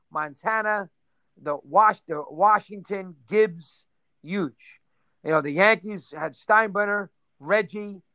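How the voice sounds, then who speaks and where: A man in his sixties, reminiscing in a casual interview, rambling and rattling off names in quick bursts. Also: high-pitched, bright, forceful tone, clean tone, dry recording. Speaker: interview guest.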